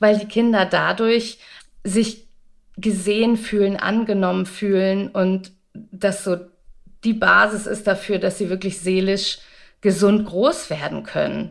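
A woman at a medium pitch, at a very slow pace with long, frequent pauses, on a very clean recording with a silent background. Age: 30s. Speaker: early childhood educator and parent coach. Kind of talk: interview.

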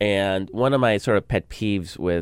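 Vocal fry runs through a man's lively intonation in a very clean recording with a silent background. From El Salvador. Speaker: political blogger and army veteran. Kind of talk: interview.

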